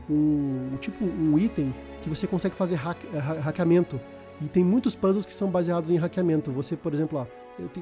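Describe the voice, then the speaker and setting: A man's voice: fairly high pitch, mellow. A man with a Brazilian Portuguese accent explaining a video game in casual, informal podcast talk, repeating words as he goes.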